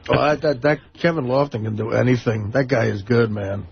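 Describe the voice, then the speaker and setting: A man on a radio panel telling casual comic stories in a gravelly voice. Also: medium pitch, fairly quick, muffled recording, a little hiss or hum.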